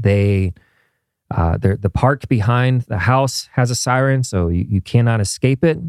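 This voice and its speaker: A man with an American accent and a plain, everyday voice, medium in pitch and fairly slow, on a very clean recording with a silent background and dry, close sound with no echo. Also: ordinary pitch variation. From US Midwest. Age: 30s. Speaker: podcast host. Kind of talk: casual chat.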